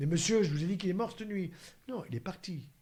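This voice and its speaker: A man talks fairly quickly in a high voice. His pitch varies in an ordinary way. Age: 70s. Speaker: cancer surgeon and author. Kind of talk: interview conversation.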